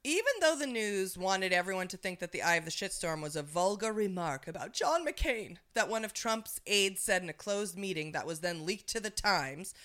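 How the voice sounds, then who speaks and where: A woman's voice: mid-range voice, animated, moderate pace, few pauses, fairly bright tone. A woman co-hosting a comedy podcast, chatting casually with sarcastic, mock-indignant jokes. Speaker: podcast co-host.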